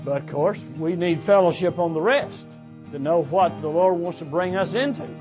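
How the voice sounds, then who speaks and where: Higher-pitched man preaching, halting and earnest. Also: dull audio, over music. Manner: earnest, halting, repeats and restates phrases. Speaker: preacher addressing young adults at a church gathering. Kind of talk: informal sermon, exhortation.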